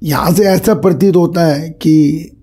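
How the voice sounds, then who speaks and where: A hoarse man with a cold hosts his own market commentary, talking casually to viewers as sir. His voice is very dark and mellow and sits a bit high for a man, with a husky edge. He repeats phrases as he goes. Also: a little slow. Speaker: stock market channel host.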